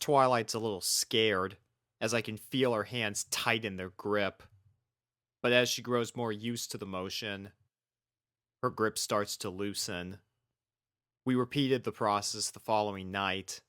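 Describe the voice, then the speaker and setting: A man's voice: lowish voice, bright, forceful tone, no echo, clean studio sound. A man reading a scripted first-person story as its narrator. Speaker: fan fiction reader and narrator.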